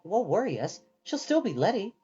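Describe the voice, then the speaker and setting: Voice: mid-range voice, big pitch swings, a little fast, warm tone, breathy edge, muffled recording, soft background music, pitched above the performer's own voice. A storyteller voicing an earnest, friendly teenage boy wizard's apprentice in a storybook, eager and reassuring.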